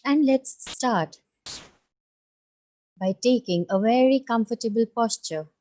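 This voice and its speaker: Slow, mellow woman guiding meditation. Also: on the high side. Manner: gentle, soothing instruction with long pauses. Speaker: guided meditation leader. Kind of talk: guided meditation.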